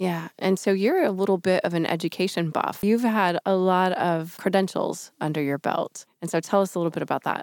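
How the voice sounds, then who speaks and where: A woman with an ordinary speaking voice talks at a fairly quick pace in a medium pitch, with fairly even intonation and hardly any pauses. The recording is very clean and dry, with a close sound, no echo and a silent background. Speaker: podcast host. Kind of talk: casual chat. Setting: studio.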